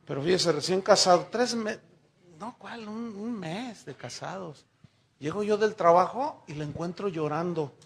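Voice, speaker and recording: A middle-aged man, preaching a sermon and telling lively stories while speaking directly to the congregation. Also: sits high, unhurried, vocal fry. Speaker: pastor.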